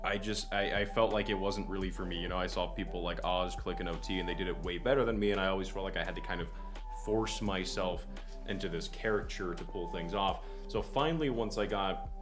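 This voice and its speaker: A young man with a fairly low voice, rambling through a casual livestream chat. He is self-deprecating and swears offhandedly. Soft lofi beats play faintly underneath. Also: fairly quick. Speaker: guest content creator. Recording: lofi music playing faintly behind.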